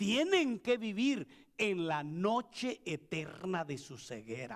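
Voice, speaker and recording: Very slow speech with very wide pitch swings. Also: man. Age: 60s. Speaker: pastor. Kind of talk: sermon.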